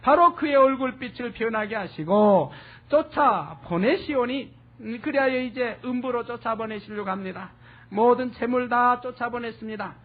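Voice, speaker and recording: A man preaching an expository sermon, earnestly asking his congregation rhetorical questions. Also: high voice. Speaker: pastor. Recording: tinny phone-like lo-fi audio.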